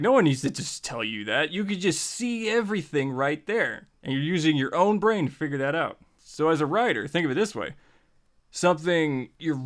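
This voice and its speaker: A man hosting a tutorial in a casual, conversational way, informal and repeating phrases for emphasis. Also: fairly high pitch. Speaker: host of a tutorial series. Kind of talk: casual, conversational writing lesson.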